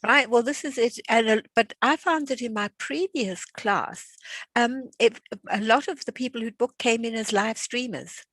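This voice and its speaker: A woman's voice: on the high side, moderate pace, a bit bright, no echo. An older woman at home chatting as the instructor of an online class over a video call, friendly and full of fillers and restarts. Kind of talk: casual chat before an online class.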